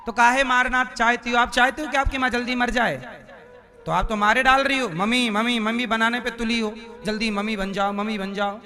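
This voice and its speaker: A male preacher giving a devotional sermon with call-and-response to his audience. He tells the story in a lively way and sometimes breaks into chant and song. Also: extremely high pitch, a little fast. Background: devotional instrumental music.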